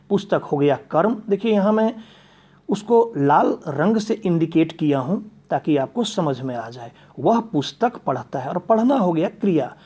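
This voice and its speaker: Husky man explaining Sanskrit grammar. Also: fairly high pitch, darkish tone. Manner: patient step-by-step explaining, reciting verb forms. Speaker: Sanskrit teacher. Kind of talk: classroom grammar lesson.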